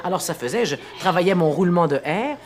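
A woman's voice: on the low side, fast. A middle-aged woman with a Québécois French accent, chatting over lunch and telling a story about her life with lots of laughter. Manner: animated storyteller, laughs often. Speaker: guest actress. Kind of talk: casual chat over lunch.

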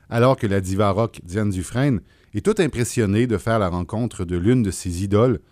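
A male announcer reading a scripted introduction in a dark, mellow voice, pitched low, in a dry, close studio sound. His delivery is smooth and formal. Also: dry recording. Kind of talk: scripted narration.

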